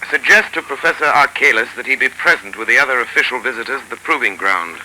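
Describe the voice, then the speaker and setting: An actor playing an earnest, urgent young gentleman detective in a 1930s radio drama. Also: medium pitch, lively intonation, fast, low-quality recording. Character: confident young gentleman sleuth. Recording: old radio broadcast, faint hiss.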